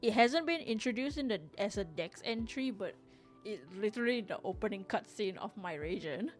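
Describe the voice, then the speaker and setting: Woman, from Singapore, live-stream host, casual rambling chat, mid pitch, faint background music. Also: lively intonation, normal speed. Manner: chatty, rambling, reads chat aloud, frequent restarts and laughs. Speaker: livestream artist host.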